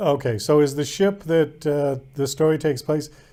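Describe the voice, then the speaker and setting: At a moderate pace, a man speaks in a normal speaking voice with a fairly high pitch. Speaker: talk show host. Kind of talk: interview questions.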